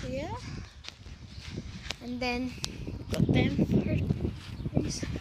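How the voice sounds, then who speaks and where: The recording has loud background noise and a dry sound with no echo. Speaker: amateur vlogger. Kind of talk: casual talk to camera. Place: open country. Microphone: phone near.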